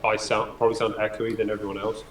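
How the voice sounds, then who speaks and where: A man's voice: on the low side, level tone, fast. A man chatting casually on a gaming voice chat through his phone, his voice coming through with a big echo. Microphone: phone over voice chat. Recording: echoey roomy phone audio from far off.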